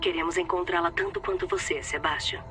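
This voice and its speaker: Woman acting as low-voiced, composed female agent over music. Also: steady tone, natural voice. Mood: earnest, reassuring. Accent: Brazilian. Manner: measured, earnest, businesslike. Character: composed, caring female agent guiding a partner. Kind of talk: dramatic video game voice acting.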